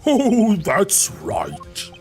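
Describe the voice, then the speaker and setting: A woman's voice: medium pitch, wildly swooping pitch, a little mellow, soft background music, exaggerated voice. A woman putting on a smug, pompous rich old man. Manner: slow, gloating, drawn-out delivery.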